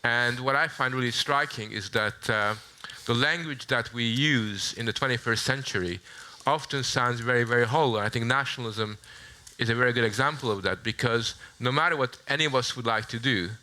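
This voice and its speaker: Forceful, bright-voiced man from Hungary debating. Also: medium pitch, fairly quick. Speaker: debate panelist. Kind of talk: public panel debate speech.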